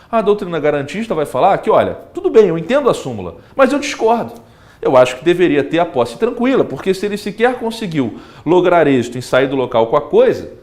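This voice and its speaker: Male law teacher, Brazilian accent, very animated pitch, addresses the student directly. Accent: Brazilian Portuguese. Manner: animated, talks straight to the student, acts out examples. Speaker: law exam prep teacher. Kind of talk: recorded video lecture.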